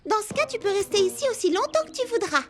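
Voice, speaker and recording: A sweet, encouraging cartoon girl heroine, with a very high voice and hugely animated intonation. Music runs behind her lines. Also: fast talker. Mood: surprised, kindly. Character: kind, cheerful, generous little cartoon girl heroine. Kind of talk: French-dubbed children's cartoon acting.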